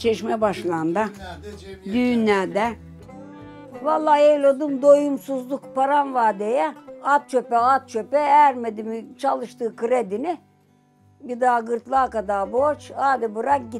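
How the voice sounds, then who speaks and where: Over faint background music, a woman with a high-pitched voice talks at a very slow pace with ordinary pitch variation. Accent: Bulgarian. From Bulgaria, Shumen region; Bulgaria. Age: 70s. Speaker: Balkan emigrant. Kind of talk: interview answer. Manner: talkative. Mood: warm, smiling reminiscence. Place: home room.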